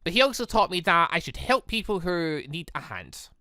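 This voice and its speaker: A man's voice: high voice, big pitch swings, moderate pace, bright, forceful tone, dry recording, clean studio sound, exaggerated voice. A man voicing a kind, earnest, cheerful girl who is eager to help, in a visual novel. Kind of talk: reading a visual novel aloud.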